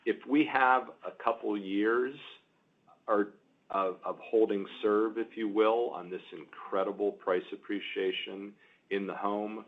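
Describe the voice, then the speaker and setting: A man answering questions as a company executive on an earnings call, halting and repeating words as he explains. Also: sits low. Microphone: conference call line. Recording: muffled narrow-band conference call audio.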